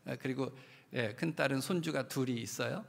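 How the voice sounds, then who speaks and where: A middle-aged man, a pastor, preaching a sermon in a church, telling stories and growing louder at emotional peaks. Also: mid-range voice, fairly quick, gravelly. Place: church sanctuary.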